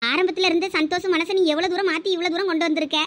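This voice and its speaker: A woman voicing a kindly, fretful mother-in-law in a cartoon who soothes and coaxes in a Thoothukudi Tamil accent, a little lower than her other voices. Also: steady tone, rapid-fire, fairly bright tone. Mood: soothing.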